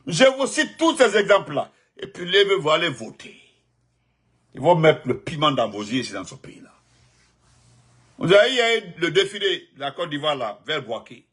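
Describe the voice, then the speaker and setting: A man with a Guinean French accent giving spontaneous political commentary, emphatic and repetitive, jumping from loud outbursts to muttered asides. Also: on the high side, very animated, moderate pace, slightly rough.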